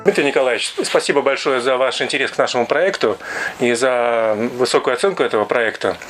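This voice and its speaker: A man's voice: mid-range voice, fairly quick, music in the background. A man conducting an oral history interview who asks his questions politely and formally.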